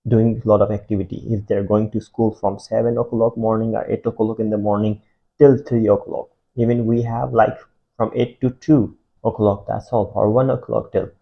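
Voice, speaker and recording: Low-voiced man, dull lo-fi sound. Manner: rambling, repeats words while searching for them, non-native grammar. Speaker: online English tutor. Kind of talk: unscripted talk to camera about learning English.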